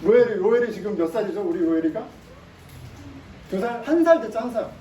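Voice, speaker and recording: A male pastor delivers a sermon in a mellow, darker voice, pressing his points and firing rhetorical questions at the congregation. He is picked up from some distance in a reverberant church sanctuary, with faint ambient noise underneath. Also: high voice, animated, fairly quick. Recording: echoey room, mic at a distance.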